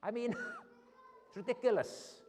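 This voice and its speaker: A man's voice: extremely high pitch, measured pace, mellow, a little hiss or hum. A man with a Welsh accent preaching an earnest evening sermon in a church as a guest preacher. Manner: earnest, emphatic, rising on key phrases. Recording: long church reverb.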